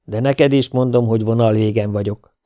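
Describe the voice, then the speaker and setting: A man voicing a steady male nurse who calmly instructs and looks out for a younger colleague, in an audiobook. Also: lowish voice, no room sound, close to an everyday voice. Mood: instructive. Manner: calm, instructive. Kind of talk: audiobook character voice.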